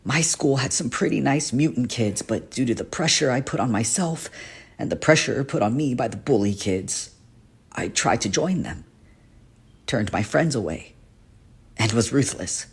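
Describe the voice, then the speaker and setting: A man playing a gentle guardian teacher haunted by his past in a dramatic monologue, with a husky, earnest, confiding delivery. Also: mid-range voice, lively intonation, moderate pace. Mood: pained, regretful. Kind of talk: dramatic character monologue for a voice reel.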